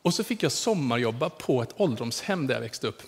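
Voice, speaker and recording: A man's voice: medium pitch, big pitch swings, husky. A man giving a sermon, leading into his point with a personal story told in a loose, conversational way. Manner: storytelling, warm anecdotes, many fillers. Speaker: preacher. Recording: long echoey hall reverb.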